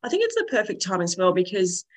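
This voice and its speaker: A woman with a slightly croaky, hoarse voice from being unwell, co-hosting a podcast in a relaxed, conversational way. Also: medium pitch, fast. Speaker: podcast co-host.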